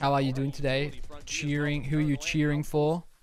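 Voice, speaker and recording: The speaker has an Australian accent and a moderate pace. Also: man. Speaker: esports analyst, former pro coach. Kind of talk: live stream co-stream commentary. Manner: casual, conversational.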